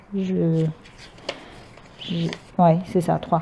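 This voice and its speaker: A woman with a fairly low pitch over noticeable background noise. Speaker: crafting youtuber. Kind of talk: product unboxing. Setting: at home, cat on table. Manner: hesitant, many fillers.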